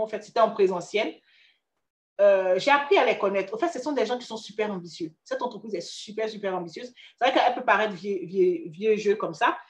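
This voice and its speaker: A woman's voice: medium pitch, echoey room. A woman with an Ivorian accent giving a chatty career-coaching talk, speaking directly to the listener with frequent restarts. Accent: Ivorian French. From Ivory Coast. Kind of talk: casual motivational talk.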